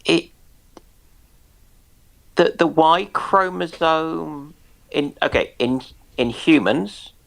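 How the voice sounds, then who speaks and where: A man with a creaky, gravelly voice and a slow delivery. He explains in a casual way, pausing often and carefully hunting for the right word. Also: a little high. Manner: halting, searching for words, careful.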